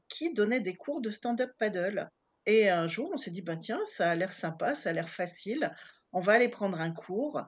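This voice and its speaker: A woman's voice: fairly low pitch, breathy edge. A woman in her fifties from Paris, chatting casually as an interview guest, with many hesitant fillers. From Paris, France. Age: 50s.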